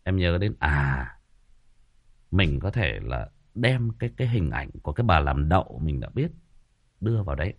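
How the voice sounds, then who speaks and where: A man's voice: rumbling low, big pitch swings, moderate pace, dull audio. A man with a Northern Vietnamese accent hosting a casual livestream, chatty, with many fillers and repeated words. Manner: chatty, full of fillers and repetition. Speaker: livestream host, storyteller.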